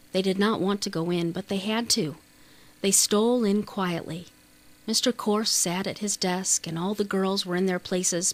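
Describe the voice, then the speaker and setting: Woman, audiobook narrator, medium pitch, measured and expressive storytelling, scripted children's fiction.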